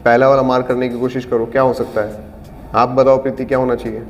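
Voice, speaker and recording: Man, acting teacher, patient explainer, demonstrates lines, middle pitch, reverberant room, faint background noise. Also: little pitch movement, fast talker, muffled recording. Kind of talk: acting class instruction.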